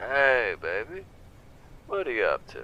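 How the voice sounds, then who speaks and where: A man puts on a raspy, hissing character voice at a fairly slow pace. Clear background noise can be heard behind him. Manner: purring, hissing.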